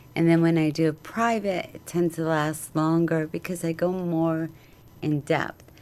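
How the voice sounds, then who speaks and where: A woman's fairly low voice at a fairly slow pace, ordinary pitch variation, and music in the background. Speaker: medium and psychic reader. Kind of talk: radio interview, casual chat. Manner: slow, deliberate talker.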